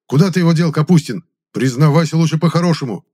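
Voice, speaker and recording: A man putting on a stern young group leader who snaps orders. The voice is raised and clipped, more gruff than angry. He sounds reluctant but insistent. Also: medium pitch, expressive, brisk, a little mellow, voice pushed up, natural voice. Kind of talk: audiobook character voice.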